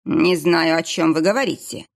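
A woman's voice: deep voice, normal speed, vocal fry. A woman voicing a proud count who answers dryly and curtly. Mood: defiant. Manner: dry, curt. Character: proud male count, dry and defiant.

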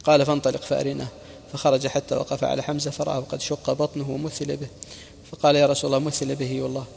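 Gravelly-voiced man teaching religious history. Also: mid-range voice, monotone, rapid-fire, darkish tone, in a large hall, slight background noise. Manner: narrates reports and quoted speech with brief asides. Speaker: preacher.

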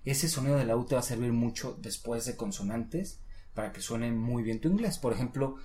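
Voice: medium pitch, fairly quick, warm tone. A patient, encouraging teacher giving a one-on-one English lesson, modeling pronunciation and explaining in Spanish.

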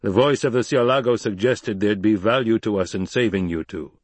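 A man's voice: lowish voice, normal speed, dry recording, natural voice. A man playing a tall, stern desert tribal leader in an audiobook, speaking formally and with authority. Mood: measured, probing.

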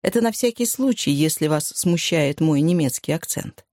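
A woman reading the part of a lonely, courteous German-born eye surgeon, speaking with a German accent in a measured, wry way. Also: sits low, animated, a little mellow, no room sound, studio quality. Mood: candid.

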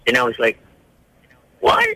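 A man calling into a radio show, telling a story in halting, restarting sentences. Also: pushed and bright, dry recording. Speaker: radio caller.

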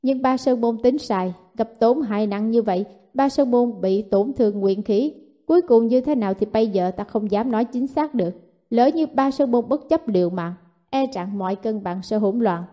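Slow, murmuring old sect elder, as a woman reads him. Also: on the high side, warm tone, lightly acted. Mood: grave. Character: aged male elder in blue robes, calm and wary.

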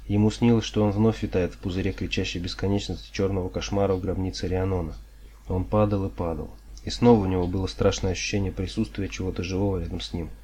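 A man reading an audiobook in a steady, measured storytelling manner. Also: sits low, slightly rough. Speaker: audiobook reader. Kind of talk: audiobook narration.

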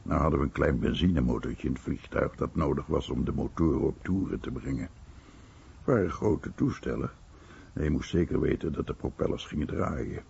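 A man with a gravelly voice reading scripted documentary narration and translated voice-over. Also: extremely low pitch, expressive, brisk, darkish tone. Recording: dull, muffled broadcast recording.

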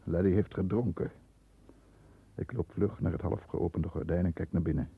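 A very low, husky male voice as a calculating, guilt-ridden lawyer narrating a radio thriller. He speaks deliberately and haltingly under strain. The old radio recording is dull and lo-fi. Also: steady tone, full character voice. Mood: tense, watchful. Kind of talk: 1960s Dutch radio drama monologue, present-tense narration.

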